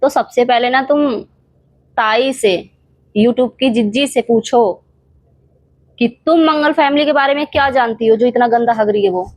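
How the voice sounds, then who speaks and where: A woman's voice: high-pitched, unhurried, pauses often, dry recording. Fiery woman scolding a rival on camera. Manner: confrontational, scolding an absent rival directly; rhetorical questions and repeated challenges. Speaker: reaction channel creator. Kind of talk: heated reaction monologue to camera.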